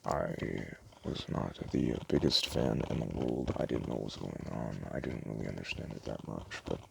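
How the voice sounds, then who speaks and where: A soft-spoken man doing a casual ASMR roleplay as a store clerk, chatting in a hesitant, rambling way. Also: rumbling low, normal speed, vocal fry, slight background noise.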